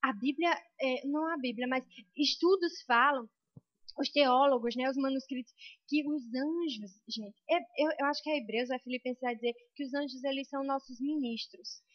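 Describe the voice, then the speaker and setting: A woman's voice: sits high, normal speed, no room sound, muffled recording. A young Brazilian woman preaching a sermon in a church with a Brazilian Portuguese accent, impassioned and building to emphatic peaks.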